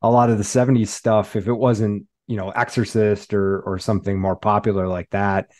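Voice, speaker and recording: A man who is a guest on a podcast, talking casually and haltingly with many ums and uhs. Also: fairly low pitch, flat delivery, a little mellow, no room sound, studio quality. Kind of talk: casual chat.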